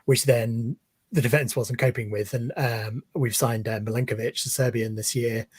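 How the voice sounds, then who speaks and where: A man talking football as a guest on a video call interview, measured and thoughtful with many pauses. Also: mid-range voice, steady tone, breathy edge, no echo. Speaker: guest, football fan page creator. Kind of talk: casual interview chat.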